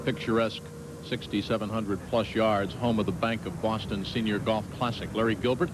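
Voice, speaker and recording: A man's voice: on the low side, fairly even intonation, moderate pace. A man anchoring a live golf broadcast as commentator. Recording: noisy outdoor sports broadcast.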